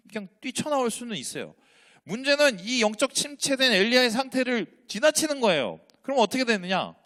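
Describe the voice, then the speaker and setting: Male pastor, sermon, fairly high voice, very expressive delivery, acts out the voices he quotes. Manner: animated, acts out dialogue in changing voices, asks rhetorical questions. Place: church sanctuary.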